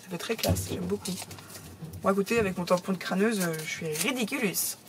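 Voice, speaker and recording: A middle-aged woman chatting casually to her viewers as she opens fan mail, talkative and quick to laugh. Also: mid-range voice, noisy background. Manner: chatty, laughs often, exclaims. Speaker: craft YouTuber opening fan mail. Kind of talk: casual chat to camera.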